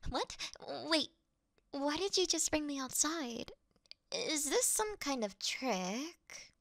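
A woman's voice: high-pitched, big pitch swings, slow pace, a bit bright, dry recording, studio quality, full character voice. A woman voicing a clumsy, easily scared young female thief who acts tough in an ASMR roleplay, flustered, pouty and stammering. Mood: whiny, anxious.

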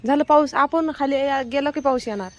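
A woman's voice: high-pitched, brisk. A woman chatting casually while filming a vlog on her phone on a rooftop, exclaiming and teasingly scolding her son. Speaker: vlogger and mother. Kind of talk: casual outdoor vlog chat. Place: outdoors on a house rooftop in the rain. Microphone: phone held in her hand.

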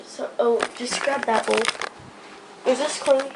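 Teen girl at a sleepover, slow playful talk, kinda high voice, really noisy audio. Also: steady tone. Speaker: friend at a sleepover. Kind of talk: casual chat. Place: home kitchen. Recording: loud noise on handheld camera audio.

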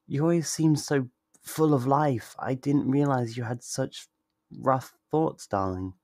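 A man's voice: medium pitch, a little mellow, no room sound, clean studio sound, lightly acted. A man playing a sweet, possessive yandere lover in an intimate ASMR roleplay, tender and reassuring. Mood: tender, confessional. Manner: tender, reassuring, slow and deliberate.

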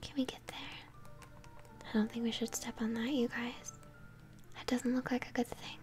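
A young woman whispering gently as she hosts an ASMR let's-play, commenting on a game. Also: fairly high pitch, level tone, normal speed, faint music behind. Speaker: host, gamer. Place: small room at home, indoors.

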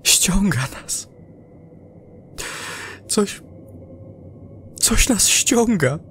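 An actor playing a frightened, overwrought space explorer in an audio drama, speaking in halting fragments. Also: mid-range voice, sing-song, fairly bright tone, a little hiss or hum, heavily acted. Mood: fearful, stunned. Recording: music under the voice. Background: music.

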